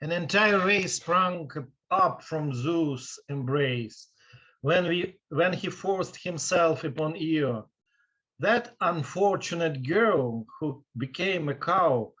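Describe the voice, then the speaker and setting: Husky, slow tragic chorus member. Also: male voice, a little high, a bit bright, lo-fi sound. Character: grave suppliant chorus member fleeing persecution. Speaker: actor. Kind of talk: dramatic reading of Greek tragedy.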